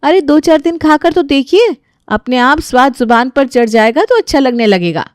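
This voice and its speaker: A woman's voice: sits high, expressive, normal speed, no room sound, studio quality, pitched above the performer's own voice. A woman voicing a clever young mother who coaxes her family in a sugary but firm way. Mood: coaxing. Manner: sugary coaxing with a stern edge. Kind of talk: storybook voice acting.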